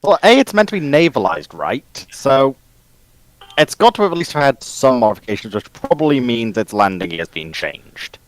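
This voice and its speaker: A man's voice: mid-range voice, sing-song, moderate pace, no room sound, low-quality recording. A man speculating aloud in a casual discussion of military history.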